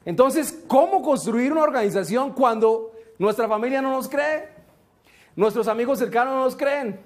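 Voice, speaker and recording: A man giving a motivational seminar talk, slow and emphatic, often asking rhetorical questions. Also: very high-pitched. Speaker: motivational speaker.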